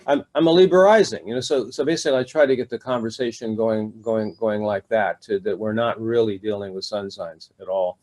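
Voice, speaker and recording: A man's voice: lowish voice, fairly even intonation, fairly quick, few pauses, darkish tone. An older man answering interview questions about his practice, talking in a rambling way with many fillers and restarts. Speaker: astrologer, interview guest.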